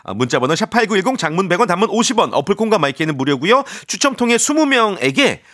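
A man's voice: sits high, sing-song, fast, pushed and bright. A man co-hosting a radio quiz in a game show host manner, announcing rounds, questions and prizes.

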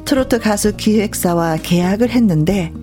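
A woman's voice: mid-range voice, mellow, soft background music. Woman narrating a story. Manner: measured storytelling. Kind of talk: scripted narration.

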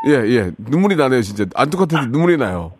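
A male radio host running a call-in segment, teasing callers with quick deadpan verdicts. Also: medium pitch, music in the background. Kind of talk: lively radio call-in banter. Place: radio studio. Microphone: studio microphone.

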